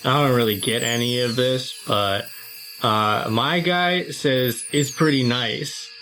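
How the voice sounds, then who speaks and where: A man playing a tabletop role-playing game, speaking casually in a halting, offhand way. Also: mid-range voice, music in the background, rough recording. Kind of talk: casual improvised role-play.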